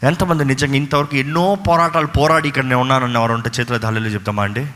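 A man's voice: medium pitch, fairly even intonation, very fast, a little hiss or hum. A male pastor preaching a fervent sermon and leading prayer in a church, urging the crowd with repeated calls. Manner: fervent, repetitive exhortation, calls for loud praise. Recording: reverberant church hall with music.

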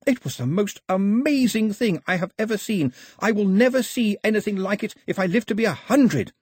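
An excitable, nervous young boy, as a man puts him on, pushed far up in pitch and a little loud. He spins his tale breathlessly, with his voice leaping up and down. The voice itself is husky and recorded dry. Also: fairly quick, no echo. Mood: dramatic. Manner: breathless, dramatic, high-pitched.

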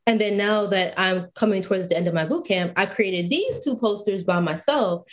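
A woman guest in a casual podcast interview, talking in an animated, emphatic way. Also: medium pitch, moderate pace. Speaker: guest, UI/UX designer and photographer.

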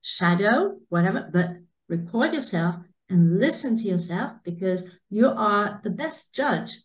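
A woman's voice: mid-range voice, expressive, measured pace, poor audio. Woman with a light soprano voice. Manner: earnest, repeats words for emphasis. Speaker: guest, pronunciation teacher. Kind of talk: conversational podcast interview.

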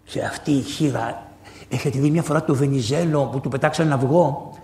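A man, a priest, preaching a lively storytelling sermon in an amphitheater, acting out the dialogue of his story with sudden loud outbursts. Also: medium pitch, husky. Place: diocesan amphitheater.

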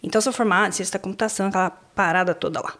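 A Brazilian woman in her thirties, an exchange agent guest, telling her story in an animated, exclamatory way in casual podcast talk. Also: medium pitch, racing. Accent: Brazilian Portuguese.

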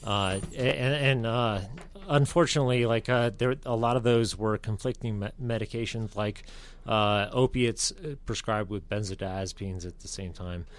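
A man speaking as a guest on a talk show, with a halting delivery full of fillers and restarts. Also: lowish voice, fairly even intonation. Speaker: veteran advocate guest. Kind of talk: casual radio talk.

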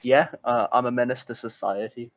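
A man's voice: mid-range voice, fairly even intonation, moderate pace, no room sound, muffled recording. A man chatting casually as a podcast co-host, telling stories in a hesitant, rambling way with asides. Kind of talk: casual chat and storytelling.

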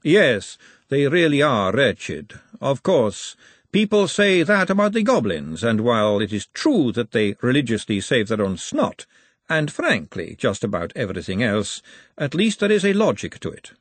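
A man voicing an imperious aristocratic noblewoman in an audiobook, with a husky, emphatic manner. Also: mid-range voice, very animated, moderate pace, no echo. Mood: lofty. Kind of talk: audiobook character voice.

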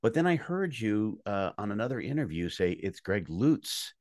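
A man hosting a podcast interview, teasing his guest with playful deadpan jokes. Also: lowish voice, normal speed, no echo, studio quality. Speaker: podcast host. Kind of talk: joking interview chat.

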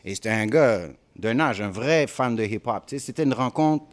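A man's voice: mid-range voice, normal speed. A man with a Haitian-tinged French accent, a rapper telling stories in a casual interview, dropping English phrases. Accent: Haitian French mixed with Quebec French. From Montreal. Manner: animated storytelling, mixes English phrases. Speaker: rapper guest.

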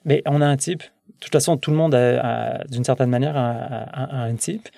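A man's voice: mid-range voice, steady tone, moderate pace, creaky, mellow, no room sound, clean studio sound. A man in his thirties with a Québécois French accent, chatting as a guest and rambling with many restarts and fillers. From born in France, raised in Quebec. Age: 30s. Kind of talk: casual conversation.

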